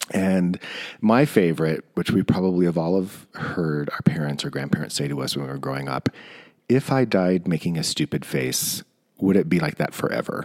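A voice with lively intonation at a moderate pace, recorded dry and close with no echo. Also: man. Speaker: podcast host and librarian. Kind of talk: casual chat.

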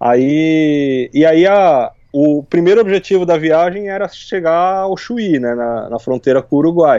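A man in an unremarkable speaking voice talks at a fairly slow pace with lively intonation. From Brazil, São Paulo. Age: 30s. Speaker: journalist and touring cyclist. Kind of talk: casual interview.

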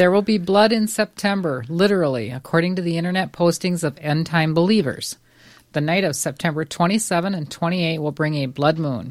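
In a plain, everyday voice, a woman with fairly low pitch and ordinary pitch variation talks at a fairly quick pace on a very clean recording with a silent background. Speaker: paranormal quiz show panelist. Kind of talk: reading aloud.

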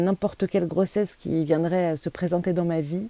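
A woman talks at a medium pitch in a dark, mellow tone, with fairly even intonation. Her pace is moderate, and the sound is dry and close with no echo. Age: 30s. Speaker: listener giving testimony. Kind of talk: recorded testimony.

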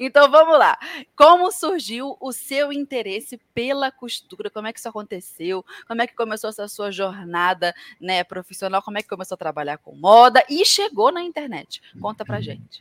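The voice moves at a moderate pace with very wide pitch swings, recorded with a dry, close sound and no echo. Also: woman, fairly high pitch for a woman. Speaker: podcast host and youtuber. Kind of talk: podcast interview. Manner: upbeat.

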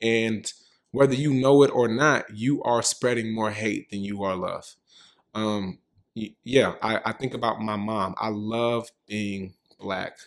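A man with an ordinary speaking voice talks at a fairly slow pace and medium pitch, with fairly even intonation. The recording is very clean, with a silent background. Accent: American. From Bay Area, California (Richmond). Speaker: teacher and community founder. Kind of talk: interview conversation.

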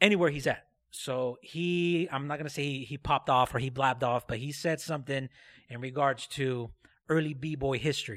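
With a normal speaking voice, a man talks at a moderate pace with a fairly high pitch and fairly even intonation on a very clean recording with a silent background. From born in Mexico, raised in US. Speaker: hip-hop blog editor and youth educator. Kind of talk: casual chat.

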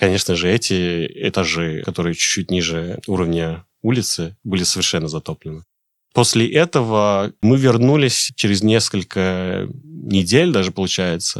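On a very clean recording with a silent background and a dry, close sound with no echo, a man speaks at a very deep, low pitch with ordinary pitch variation. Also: moderate pace. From Uzbekistan, Tashkent. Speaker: urban sustainability specialist, architect. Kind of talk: interview.

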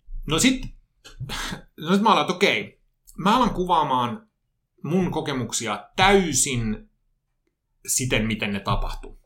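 Speaking at a fairly slow pace with long, frequent pauses, a man with a fairly high pitch and a bright, sharp tone shows very wide pitch swings and vocal fry. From Sweden, Stockholm suburb (Sweden Finn). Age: 40s. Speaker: writer and entrepreneur. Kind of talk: casual chat. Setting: café.

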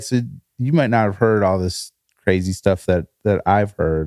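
A man with a Chicago accent speaks at a fairly slow pace in a low pitch with ordinary pitch variation. His tone is slightly mellow, and the sound is dry and close with no echo. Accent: American Midwestern, Chicago.

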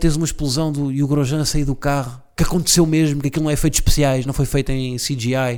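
A man speaks at a fairly quick pace with a European Portuguese accent. His pitch is fairly high. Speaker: comedian. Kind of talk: casual solo monologue. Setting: at home.

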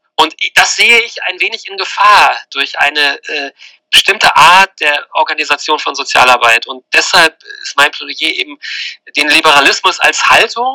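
This man speaks at a moderate pace, and the sound is dry and close with no echo. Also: big swings in loudness. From East Germany. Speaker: professor of social work. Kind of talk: interview. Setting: Skype call.

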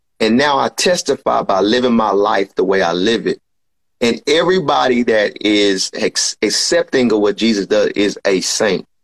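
In an ordinary speaking voice with an American accent, a man speaks at a moderate pace and medium pitch with lively intonation, very even loudness, and a dry, close sound with no echo. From Texas. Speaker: singer-songwriter. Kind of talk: casual interview chat.

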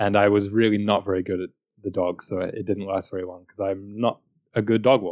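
This man talks at a fairly quick pace in a fairly low pitch, his intonation monotone and flat. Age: 30s. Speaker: podcast co-host. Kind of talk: casual chat.

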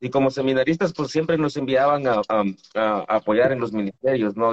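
A man with a plain, everyday voice talks at a fairly quick pace with ordinary pitch variation. The sound is dry and close, with no echo. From Ecuador. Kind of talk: casual chat. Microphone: connection cutting out.

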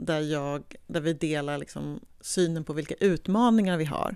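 Here is a woman with an ordinary speaking voice, fairly low in pitch with ordinary pitch variation. She keeps a moderate pace on a very clean recording with a silent background. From Stockholm area, Sweden. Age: 40s. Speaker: local politician. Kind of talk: interview.

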